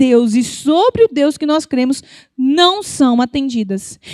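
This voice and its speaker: A woman speaks with very wide pitch swings. The sound is dry and close, with no echo. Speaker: preacher. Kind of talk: sermon.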